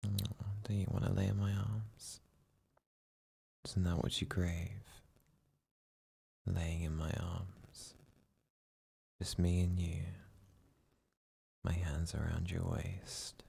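A man voicing a doting, possessive boyfriend in an ASMR roleplay who whispers slowly to lull the listener to sleep. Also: deep voice, little pitch movement, pitched below the performer's own voice, exaggerated voice. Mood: soothing. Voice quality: whispery, gravelly, breathy. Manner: slow, soothing, coaxing hush.

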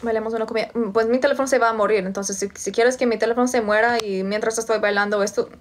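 A woman's voice: fairly high pitch, fairly even intonation, fast talker, slight background noise. A young woman from Virginia hosting a casual phone livestream at home, reading out and answering viewers' comments, greeting them by name. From United States, Virginia. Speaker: livestream host. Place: indoors, home room. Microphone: phone held close.

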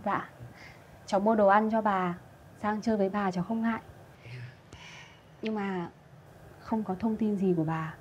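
A woman's voice: mid-range voice, fairly even intonation, normal speed, pauses often, a little mellow, lo-fi sound, a little hiss or hum, lightly acted. An actress playing a polite young woman, speaking deferentially to an elderly woman. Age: young adult. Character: polite young woman caring for her fiancé's grandmother. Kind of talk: TV drama acting.

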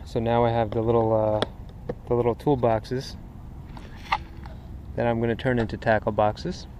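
A kayak angler casually shows off his gear outdoors on shallow water beside his kayak, rambling in a relaxed way with frequent "uh" fillers. His voice is mid-pitched and his pace moderate. An action camera mounted on the kayak captures it, with clear wind and water noise.

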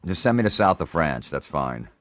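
Brief: low-voiced man, quick and pushy, crude prank caller, dry sound. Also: sing-song, a bit bright, no room sound. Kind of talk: cocky prank phone call.

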